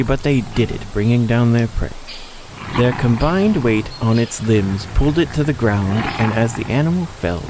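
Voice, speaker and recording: A man's voice: medium pitch, noisy background. A man delivering scripted, dramatic narration of a story as the narrator.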